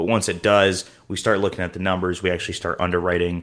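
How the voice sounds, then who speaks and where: A man talks with an American accent in a very deep, low pitch. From New York. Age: 20s. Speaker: real estate investor. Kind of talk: radio interview.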